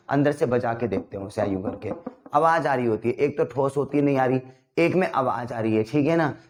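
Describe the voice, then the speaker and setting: A man's voice: mid-range voice, darkish tone. A man teaching an English vocabulary lesson to a class, drilling words by repeating them and checking in with his students.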